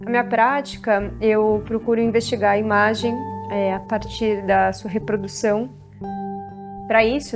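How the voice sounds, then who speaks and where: A woman with a Brazilian accent explaining her practice as a visual artist. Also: medium pitch. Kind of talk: artist talking about own work. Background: music.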